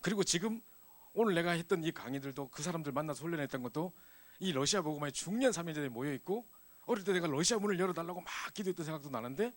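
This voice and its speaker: Fast-talking man preaching a testimony. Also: a little high. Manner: animated storytelling, acts out scenes. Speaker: youth ministry preacher. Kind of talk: sermon with personal testimony.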